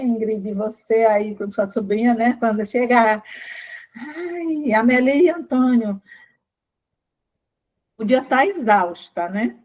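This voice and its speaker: An older Brazilian woman leading a study group, reading aloud and talking slowly and carefully to save her strained throat, often asking the group questions. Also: a little high, warm tone, rough recording. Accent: Brazilian Portuguese.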